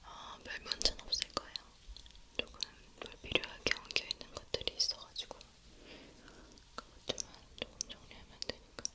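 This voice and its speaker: A woman whispering in a gentle, unhurried, reassuring way, playing a caring sci-fi robot repairwoman in an ASMR roleplay.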